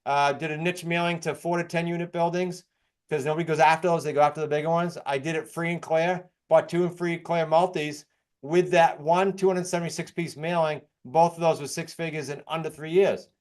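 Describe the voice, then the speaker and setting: A man from New England with an American accent, presenting case studies as an informal, fast-talking real estate coach. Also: on the high side, steady tone, darkish tone. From New England, United States. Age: middle-aged or older.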